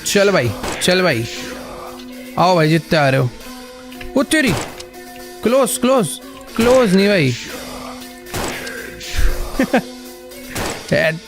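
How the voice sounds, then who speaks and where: Excitable gravelly gaming commentator man. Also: high voice, slow pace, pauses often, music in the background. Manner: chatty and excitable, constantly addressing viewers as "bhai". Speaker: gaming channel host. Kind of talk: live gameplay commentary.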